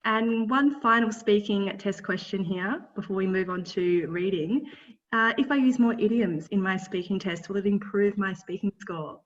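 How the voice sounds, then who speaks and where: A woman's voice: medium pitch, moderate pace. A woman with a Tasmanian accent who moderates a webinar and reads out audience questions. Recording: dull distant webinar audio.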